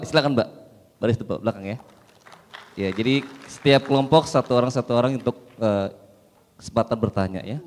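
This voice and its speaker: A man's voice: mid-range voice, long reverb tail. A man moderating a question session, politely handing out turns to the audience. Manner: polite, directs turns briskly.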